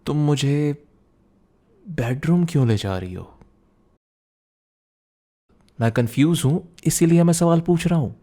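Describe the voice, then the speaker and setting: Guy acting as a young boyfriend, dark mellow voice, teasing n protective, soft asmr roleplay style. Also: a little high, animated, unhurried, pauses often. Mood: teasing, confused.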